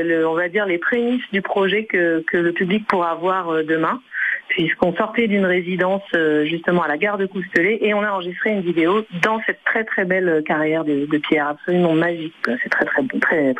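A woman's voice: lowish voice, normal speed, narrow, tinny audio. A woman, a singer whose first language is Arabic, answering radio interview questions in a hesitant way, with many fillers and restarts. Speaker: singer and musician guest.

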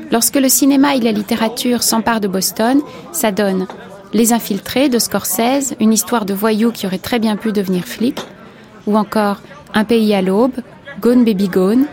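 A woman reading scripted radio documentary narration in a measured, composed way. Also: medium pitch, darkish tone.

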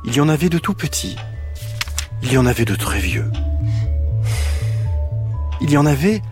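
A man reading a children's story aloud in a slow, expressive storytelling manner. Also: on the high side, music in the background.

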